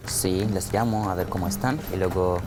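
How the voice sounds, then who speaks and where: Very low-voiced non-native man, loud music. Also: normal speed. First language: not Spanish. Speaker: migrant interviewee. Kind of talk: documentary interview.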